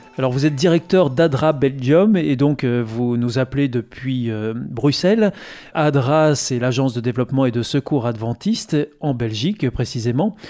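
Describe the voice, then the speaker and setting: A man's fairly high-pitched voice, dark and mellow in tone, at a fairly slow pace with ordinary pitch variation, on a very clean recording with a silent background. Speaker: radio host. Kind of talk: radio presenting. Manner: formal.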